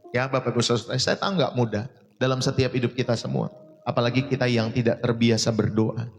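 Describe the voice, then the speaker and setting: A man preaching a sermon, his medium-pitched voice leaping up sharply for emphasis. His voice rings out with a long hall reverb, and soft music plays faintly underneath. He addresses the congregation directly, again and again. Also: vocal fry. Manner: preaching with sudden high bursts of emphasis. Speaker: pastor.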